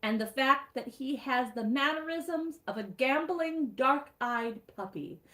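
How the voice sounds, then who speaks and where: A woman with a Michigan accent reads her own sarcastic recap aloud to a livestream audience. Her voice sits a little high, and she talks wryly, laughing at her own jokes. Her computer mic picks up a roomy echo. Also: animated, measured pace, fairly bright tone. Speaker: host reading a book recap.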